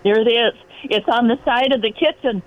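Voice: mid-range voice, normal speed. A caller in their nineties on a garbled phone line that sounds underwater, talking in a worried, rambling way. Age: 90s. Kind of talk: call-in radio chat. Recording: tinny, noisy, bubbling phone line.

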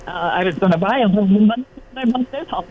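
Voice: medium pitch, a little fast. A caller in their nineties on a garbled phone line that sounds underwater, talking in a worried, rambling way. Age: 90s. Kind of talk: call-in radio chat. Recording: tinny, noisy, bubbling phone line.

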